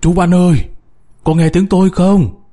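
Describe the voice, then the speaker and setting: A man voicing an older male miner trapped underground, shouting and pleading. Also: mid-range voice, animated, a little fast, breathy edge.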